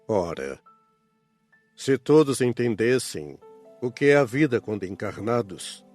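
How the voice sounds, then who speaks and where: A man's voice: medium pitch, very animated, unhurried, a little mellow, no room sound, soft background music. A man playing a reflective spirit who shares wisdom in an audiobook. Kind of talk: scripted audiobook dialogue.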